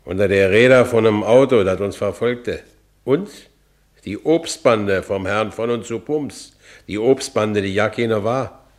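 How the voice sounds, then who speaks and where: Franz Bieberkopf is a low-voiced Berlin working man played by an actor, an ex-convict with a gullible, earthy streak. He tells his own story in colloquial Berlin speech, as in a radio drama, always justifying himself. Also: unhurried, lightly acted. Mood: uneasy recounting. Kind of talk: radio play narration and dialogue.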